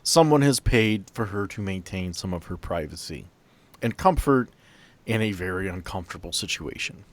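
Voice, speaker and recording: A man's voice: sits low, animated, normal speed. A man narrating an improvised tabletop roleplaying game as game master, with a casual, joking way of talking.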